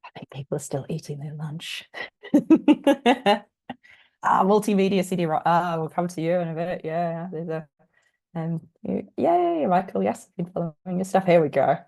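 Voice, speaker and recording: A woman from New Zealand runs a workshop over a video call, her voice husky and croaky as she gets over being sick. She talks in a chatty, self-deprecating way, full of "um" and "sort of", in a fairly low and mellow tone. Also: lively intonation, moderate pace. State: croaky, recovering from illness. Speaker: workshop presenter. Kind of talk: casual online workshop talk.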